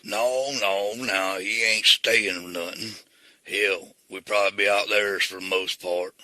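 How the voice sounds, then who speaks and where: A man's voice: fairly low pitch, fairly even intonation, unhurried, bright, forceful tone, dry recording. A man playing a bickering backwoods husband and grandpappy in a comedic audio drama, folksy and stammering, with a Southern US accent. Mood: sheepish.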